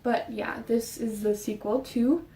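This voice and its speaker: A young woman vlogging casually about books, talking fast and rambling, a bit out of breath. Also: on the high side, steady tone, dark tone, distant mic. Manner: fast, rambling, with fillers and restarts. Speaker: book vlogger. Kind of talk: casual book chat. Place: her bedroom. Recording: roomy sound, voice off-mic.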